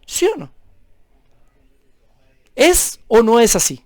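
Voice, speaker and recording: A man's voice: very high-pitched, sing-song, slow pace, dry recording, clean studio sound. A man preaching a sermon as a pastor, emphatic and full of rhetorical questions.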